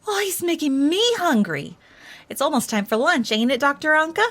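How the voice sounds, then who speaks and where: Folksy, cheeky young lab assistant. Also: female voice, sits high, big pitch swings, moderate pace, a bit bright.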